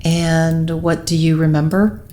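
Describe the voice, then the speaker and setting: A guarded woman played by an actress tells her story in an audio drama. Her voice is middling to low, her delivery dry and sardonic, and there is faint noise behind her. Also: little pitch movement, unhurried, warm tone. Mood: guarded, reluctant. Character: wry, guarded woman recalling a youthful misadventure. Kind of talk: audio drama narration and dialogue.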